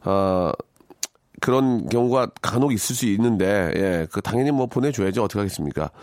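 A man in his forties hosting a radio show, reading listener messages and chatting in a joking, animated way. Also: fairly low pitch, fairly quick, no room sound, clean studio sound. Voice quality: animated, acts out voices in quotes. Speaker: radio host.

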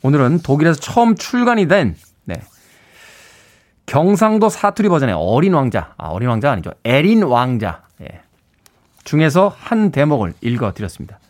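A man's voice: a little high, very animated, normal speed, a little mellow. A man hosting a radio show, chatting in a friendly way and reading out listener messages from a studio. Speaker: radio host. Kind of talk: radio DJ talk.

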